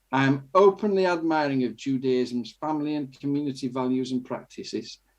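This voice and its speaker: This voice carries a British accent. It moves along at a moderate speed. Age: 60s. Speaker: radio host; retired teacher. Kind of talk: reading aloud; casual chat. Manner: formal; halting.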